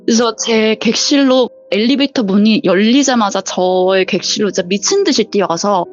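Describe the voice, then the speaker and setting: A woman's voice: mid-range voice, normal speed, highs cut off, soft background music. A woman, a flight attendant, telling a true ghost story as a vivid storyteller who acts out the quoted voices.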